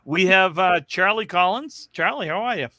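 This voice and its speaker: A man's voice: high-pitched, lively intonation, normal speed, sharp tone, no room sound. A man hosting a casual bowling podcast, chatting loosely and stumbling over fillers. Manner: rambling, fillers, self-deprecating. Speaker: podcast host.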